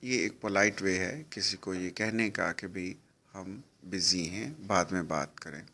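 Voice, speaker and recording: A man with a South Asian accent teaching spoken English, explaining and repeating example phrases slowly and deliberately. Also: low voice, pushed and bright.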